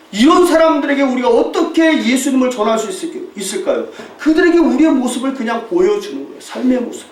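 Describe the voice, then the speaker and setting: A male pastor preaches with a high, swooping voice, acting out the people in his stories and laughing as he goes. He sounds distant from the mic, with the echo of a large church hall around him. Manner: animated storytelling, mimics shouting tourists, laughs often. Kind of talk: sermon with mission report. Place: church sanctuary.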